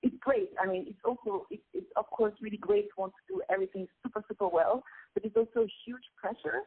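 A Congolese singer whose first language is Lingala is a guest in a casual interview, speaking earnestly and reflectively with hesitant restarts. Her voice sits on the high side, creaky and husky, with big pitch swings and a fast pace. The phone line sounds tinny.

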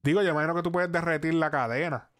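A man's voice: a little high, fast, fairly bright tone. A man hosting a casual chat, rambling and restarting his sentences, swearing casually.

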